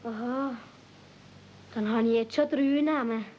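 Woman playing a high voiced little swiss girl, innocent and curious, old radio play, muffled w faint noise. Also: a little slow, natural voice. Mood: earnest, innocent. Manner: artless, polite, questioning. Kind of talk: 1970s radio play acting. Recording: dull, faintly noisy old cassette recording.

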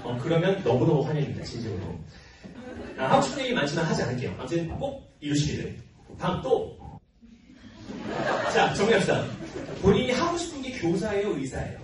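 A man in his early forties, a cram school teacher, answering students' questions informally in a playful but earnest manner. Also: a little high. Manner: playful, joking, earnest, often laughing. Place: large classroom with students. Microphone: handheld microphone, filmed by tripod camera at back. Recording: roomy classroom, distant mic, noisy.

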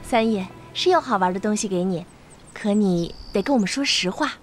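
An actress playing a worried young maidservant in a period TV drama, coaxing and pleading. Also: female voice, medium pitch, lively intonation, normal speed, soft background music, close to an everyday voice. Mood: anxious coaxing.

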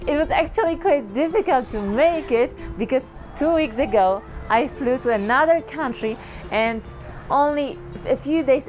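A young woman with a Polish accent, a native Polish speaker, narrating her travel vlog in a cheerful, chatty way. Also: on the high side. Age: young adult. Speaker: travel vlogger. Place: outdoors on a rooftop.

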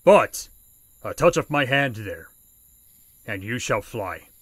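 A man's voice: medium pitch, very animated, slow, fairly bright tone, husky, no room sound, exaggerated voice. A man playing a stern, impatient ghost in a fan audio drama, with formal, commanding speech. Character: stern, impatient male ghost of Christmas past. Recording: music behind the voice.

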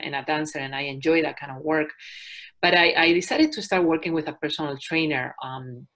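Low-voiced Spanish woman presenting. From Spain. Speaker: fitness trainer and health coach presenting a webinar. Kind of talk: webinar presentation.

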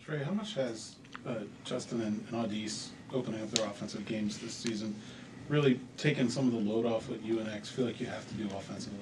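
A male reporter asking brisk, detailed questions at a press conference. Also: on the low side. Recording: distant mic, noisy room.

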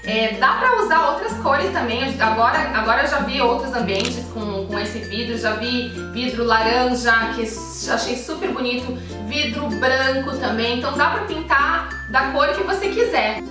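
Her voice is on the high side, at a normal speed with few pauses. She's a home-organization vlogger in her thirties with a Brazilian Portuguese accent, chatting in a friendly, casual way from a modern kitchen, talking with her hands and frequently restarting. A medium-distance camera captures echoey, distant sound with music behind her.

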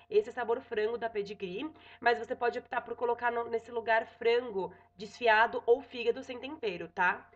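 A young woman with a Brazilian accent talks viewers through a recipe in a friendly, chatty way, often pausing to check they are following. Her voice sits a little high. The recording is somewhat dull and lo-fi, like a home setup. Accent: Brazilian Portuguese. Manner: chatty, frequent "tá?" check-ins and self-corrections. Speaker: cooking vlogger. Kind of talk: casual cooking tutorial. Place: home kitchen.

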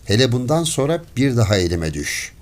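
A man voicing a gruff, stern forest warden who speaks curtly and commandingly in an audiobook story. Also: mid-range voice, big pitch swings, fairly quick, natural voice. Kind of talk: audiobook character voice.

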